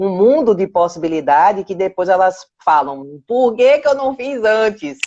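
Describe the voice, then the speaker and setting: Speaking at a fairly slow pace, a woman swings her pitch very widely over a quiet background. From Brazilian Northeast. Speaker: psychologist. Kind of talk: live interview. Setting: online live stream.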